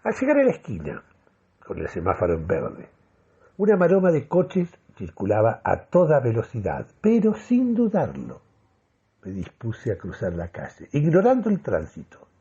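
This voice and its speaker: An actor playing a euphoric, deluded man who solemnly delivers a grandiloquent radio monologue with deliberate, dramatic pauses. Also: medium pitch, wildly swooping pitch, warm tone, slightly rough, dull audio, exaggerated voice. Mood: solemn, exalted. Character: euphoric, deluded man convinced of mystical energy communication. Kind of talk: theatrical first-person radio monologue.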